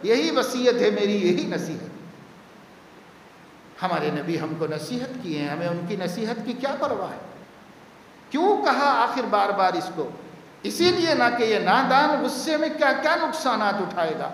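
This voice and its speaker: A man's voice: sits high, very animated, measured pace, fairly bright tone, a little hiss or hum. A man, a maulana, giving a Friday sermon, emphatic and repeating key words for stress. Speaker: maulana preaching. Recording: echoey hall with long reverb.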